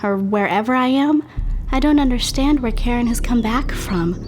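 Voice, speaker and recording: A woman's voice: on the high side, normal speed, a little mellow, slight background noise, close to an everyday voice. Wistful young woman narrating in character. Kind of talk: scripted audio drama narration.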